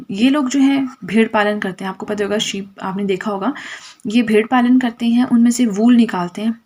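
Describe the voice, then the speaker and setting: A woman's voice: medium pitch, a little mellow, husky. A woman teacher explaining a school textbook chapter, mixing English terms into Hindi and checking in with "theek hai" after most points.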